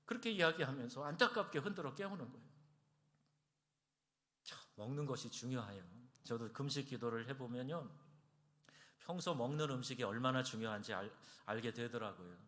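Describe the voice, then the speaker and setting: A man preaching a Sunday sermon as pastor, acting out quoted prayers and voices with big swings in pitch and loudness. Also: lively intonation, brisk. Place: church sanctuary.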